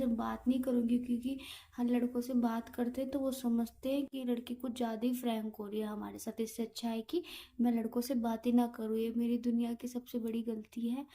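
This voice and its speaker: High, mellow-voiced apologetic young woman. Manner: apologetic, pleading, hesitant. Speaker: girlfriend in a relationship call. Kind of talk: intimate relationship conversation.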